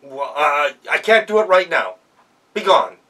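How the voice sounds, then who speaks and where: A nervous, stubborn miller from a storybook, played by a man. He blusters and stammers in a raised, sharp voice, a little distant from the microphone. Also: a little high, big pitch swings, measured pace, exaggerated voice. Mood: gruff refusal. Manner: blustering, stammering, repeating himself. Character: fearful, stubborn, flustered male miller.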